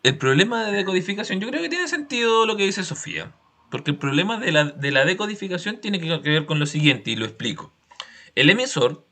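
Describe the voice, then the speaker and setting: A man's voice: high-pitched, bright, forceful tone. A man with a Chilean accent teaching a class, explaining step by step with examples and frequent check-in questions.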